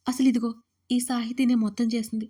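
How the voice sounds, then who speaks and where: A woman's voice: on the high side, level tone, fairly quick, dark tone, lightly acted. A woman voicing a young man who pleads desperately and tearfully with the woman he loves, in an audio story. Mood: accusing.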